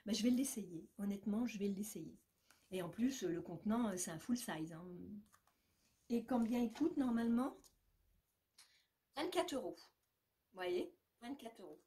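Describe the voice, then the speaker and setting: A chatty woman talks through a beauty box unboxing in a relaxed, casual way. Her voice sits at an ordinary middle pitch. She gushes, hesitates and drifts into asides as she goes. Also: moderate pace. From France. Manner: chatty, enthusiastic, many fillers and asides.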